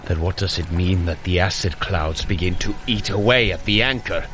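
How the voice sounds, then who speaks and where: An actor playing a hearty, earnest warrior god in an audio drama, speaking in a declamatory, wondering way. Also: male voice, sits low, normal speed, fairly bright tone, soft background music. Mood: puzzled, earnest.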